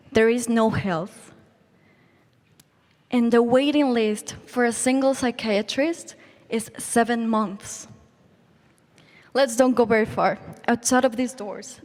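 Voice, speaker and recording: A woman with a foreign accent asking a question at a town hall, deliberate and appealing as she recites figures. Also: on the high side, darkish tone. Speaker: audience member asking a question. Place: large university hall. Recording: long hall reverb.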